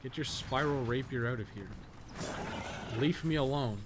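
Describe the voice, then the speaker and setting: This podcast co-host and live streamer talks at a moderate pace in a mid-range voice, casually chatting on his game stream. He rambles wryly and swears loosely, with game audio audible in the background.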